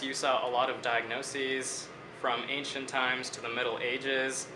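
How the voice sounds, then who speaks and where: A man in his twenties from Bangladesh, a student answering interview questions in a measured, reflective way. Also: medium pitch, roomy sound, background noise. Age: 20s.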